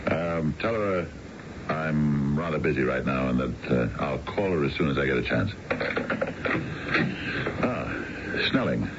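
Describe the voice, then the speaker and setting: A dignified, scheming older businessman with an extremely low voice and formal, measured delivery. It is a seventies radio play with a dull, noisy sound. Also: expressive. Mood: brisk, official. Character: dignified older male executive, secretly a crooked schemer. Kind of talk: 1970s radio drama acting.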